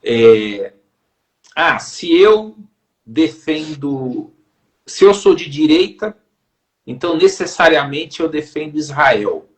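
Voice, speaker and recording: Measured Brazilian judge, formal speech. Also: male voice, on the high side, lively intonation. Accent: Brazilian Portuguese. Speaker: judge and interview guest. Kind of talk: reflective interview talk.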